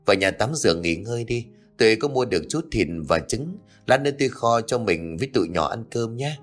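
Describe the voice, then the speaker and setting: A man voicing a meek, patient young mother who speaks softly and holds back tears. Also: mid-range voice, lively intonation, a little fast, faint music behind, close to an everyday voice. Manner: soft, meek, restrained.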